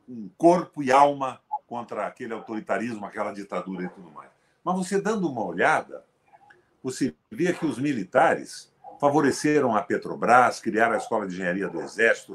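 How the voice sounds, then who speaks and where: Emphatic man in his seventies. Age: 70s. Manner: emphatic, forceful, with sharp swings in pitch and loudness. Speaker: host, veteran politician. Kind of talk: political conversation.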